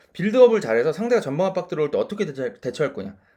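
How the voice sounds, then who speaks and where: Against a quiet background, a man with a high voice speaks with very wide pitch swings. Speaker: amateur football analysis YouTuber. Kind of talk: solo tactical review monologue. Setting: at home. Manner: fast.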